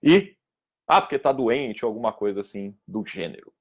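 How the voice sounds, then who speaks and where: A man teaching public speaking in an informal video lesson, emphatic and lively, sometimes scolding. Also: fairly low pitch, moderate pace, slightly rough. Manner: emphatic, lively, scolding tone, acts out quoted students.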